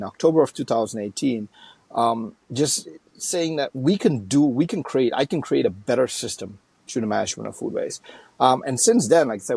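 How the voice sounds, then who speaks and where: A man's voice: mid-range voice, gravelly, darkish tone, slightly rough, dry recording. A middle-aged man from Trinidad and Tobago, a nonprofit founder speaking as a guest in a casual interview, with many fillers and restarts.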